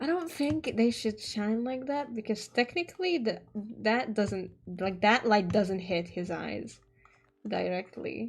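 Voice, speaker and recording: The delivery is fairly slow and somewhat breathy, with lively intonation. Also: woman, fairly high pitch for a woman. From Hungary. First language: Hungarian. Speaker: artist streamer. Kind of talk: casual livestream chat while drawing. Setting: live stream.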